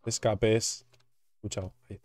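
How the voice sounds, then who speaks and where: A man's voice: on the low side, flat delivery, a little slow, a little mellow, no room sound. Chatty young man gaming. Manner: chatty, repeats words, jokey asides. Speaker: gaming YouTuber. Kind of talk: casual gameplay commentary.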